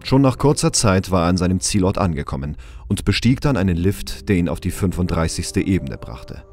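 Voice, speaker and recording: A man's voice: low-pitched, lively intonation, fairly quick, darkish tone, faint music behind. A man reading scripted narration as the sober narrator of a science fiction audio drama. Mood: matter-of-fact.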